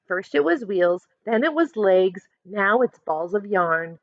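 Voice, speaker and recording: A woman voicing an excitable, dramatic young girl from a storybook who is obsessed with counting and exclaims breathlessly. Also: mid-range voice, takes it slowly, no echo, highs cut off. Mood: overwhelmed.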